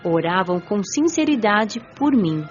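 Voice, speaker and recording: A woman playing a gentle, devout young spirit who recounts the afterlife in measured, reflective radio drama narration. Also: medium pitch, big pitch swings, lo-fi sound. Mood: reflective, serene. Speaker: narrator and lead of an audio drama. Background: music.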